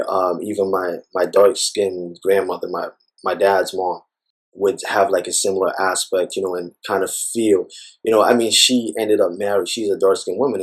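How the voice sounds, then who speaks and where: A man with a low, husky voice answers an interviewer. He reflects at length on personal experience and leans on frequent "you know"s and "like"s as he gathers his thoughts. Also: low-quality recording. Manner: thoughtful, rambling with frequent fillers. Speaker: interview guest.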